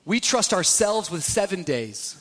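A man preaching a sermon in a church, dramatic, acting out scenes and sometimes shouting, with pauses for an interpreter. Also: high voice, sing-song, soft background music. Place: large church hall. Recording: echoey hall.

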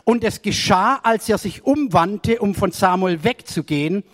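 A man preaching with a high voice that climbs for emphasis and drops low for quieter moments. The sound carries a long reverberant tail, as in a church hall. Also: lively intonation, unhurried. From Germany. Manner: storytelling sermon with swings between raised emphasis and quiet asides. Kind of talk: sermon.

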